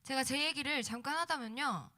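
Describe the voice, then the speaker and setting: A woman's voice: sits high, fairly quick, pushed and bright. A woman youth pastor preaching conversationally to middle schoolers, her diction slightly slurred by swelling after having wisdom teeth out. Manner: conversational, checking in with young listeners. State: mouth swollen after wisdom tooth removal. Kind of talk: sermon.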